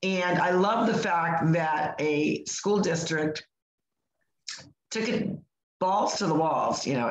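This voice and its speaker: An older woman with a hoarse voice co-hosting a live podcast, chatting in a rambling way with lots of restarts, over a video call from home. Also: low voice, echoey room, highs cut off. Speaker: podcast co-host. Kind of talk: casual live podcast chat.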